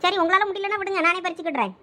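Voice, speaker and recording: A bubbly young cartoon wife, voiced by a woman, chatters in a very high, rapid voice with a Thoothukudi Tamil accent. She is playful and affectionate and exclaims often. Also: animated, sharp tone, heavily acted. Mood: delighted. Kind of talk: cartoon voice acting.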